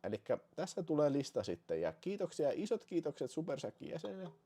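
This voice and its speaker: Excitable man hosting a stream. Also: fairly high pitch, husky. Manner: swears a lot, shifts from excited shouting to muttering. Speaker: channel host. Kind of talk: casual livestream chat.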